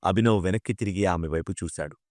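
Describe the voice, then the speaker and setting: A man's voice: sits low, fast, darkish tone, no room sound. Dry-voiced male audio drama narrator. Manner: dramatic storytelling.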